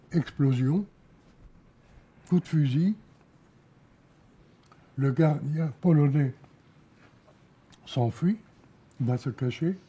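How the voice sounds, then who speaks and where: An elderly man from Alsace recounting memories as an eyewitness, halting, repeating words and pausing between short phrases. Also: mid-range voice, warm tone, breathy edge. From Alsace, France. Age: elderly, around 90. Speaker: war veteran giving eyewitness testimony. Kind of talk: spoken testimony, recounting memories.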